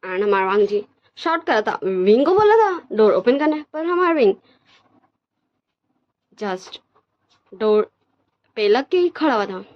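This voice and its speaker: A woman's voice: fairly high pitch, very animated, unhurried, long pauses. A woman narrating a fan fiction story casually, in a conversational, retelling way. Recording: dull lo-fi recording.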